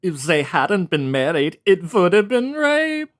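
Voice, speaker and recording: A man's voice: high voice, big pitch swings, a little slow, dry recording. A man doing a grim murderer. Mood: relishing. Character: grim male murderer musing on his execution. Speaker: guest quote reader. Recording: guitar music behind. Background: plucked guitar music.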